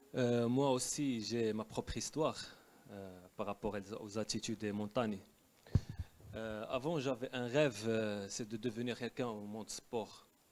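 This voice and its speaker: Fairly slow speech with fairly even intonation and long, frequent pauses. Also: man. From Morocco. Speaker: banker and mountaineer; guest. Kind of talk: personal testimony; seminar talk. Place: hall. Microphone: handheld.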